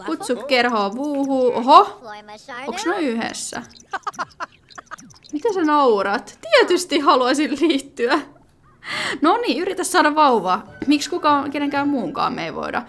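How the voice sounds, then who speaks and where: A woman's voice: high voice, sing-song, fairly bright tone. A woman giving casual gameplay commentary, chatty and thinking aloud with lots of fillers and sudden exclamations. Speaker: gaming video creator.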